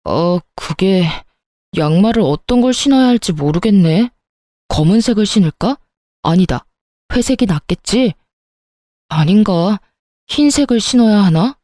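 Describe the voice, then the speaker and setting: A woman's voice: medium pitch, animated, unhurried, pauses often, dark tone, no room sound, studio quality, natural voice. A woman voicing an indecisive, helplessly dependent grown man who talks in a hesitant, pleading way. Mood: fretting. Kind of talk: storytelling with acted dialogue.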